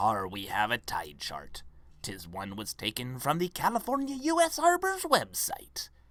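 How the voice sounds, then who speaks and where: The pace stays moderate. A put-on character voice does the talking. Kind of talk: archaic pirate speech. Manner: playful, mock pirate.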